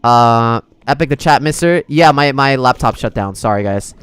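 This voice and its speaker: A man's voice: mid-range voice, normal speed, smooth, no room sound. A man livestreaming a video game in casual, slangy, chummy chat with his viewers. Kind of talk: casual gameplay stream chat. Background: game music.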